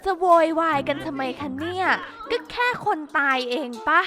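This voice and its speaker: A woman's voice: sits high, moderate pace. A woman giving playful game commentary, theatrically scolding characters and talking to her viewers. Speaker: gaming YouTuber. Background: background music.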